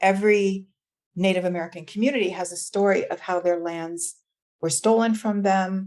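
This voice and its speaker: A woman speaks with fairly low pitch and fairly even intonation. The background is quiet. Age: 60s. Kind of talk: panel discussion. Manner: hesitant, many fillers.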